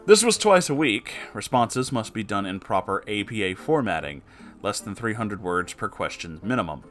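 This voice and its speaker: A man reading submitted stories aloud in a casual way, breaking in with animated, sarcastic and often sweary commentary. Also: lowish voice, normal speed. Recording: music behind the voice. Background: music.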